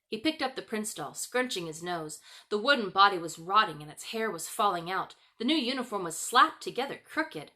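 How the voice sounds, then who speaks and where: A woman author hosting her own video, with expressive storybook narration and chatty vlog talk. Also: mid-range voice, normal speed, hardly any pauses.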